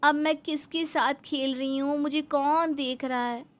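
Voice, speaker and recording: A woman's voice: sits high, steady tone, a little slow. A woman voicing a timid young maid turned bride in a cartoon, hesitant and stammering. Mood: pleading. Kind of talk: Hindi cartoon voice acting.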